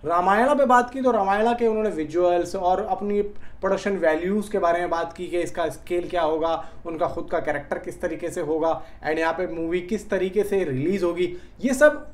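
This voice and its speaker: A man's voice: high voice, normal speed. A man giving casual film news commentary, talking colloquially and directly to fans like a chatty YouTube host. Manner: colloquial, chatty, addresses viewers as brother.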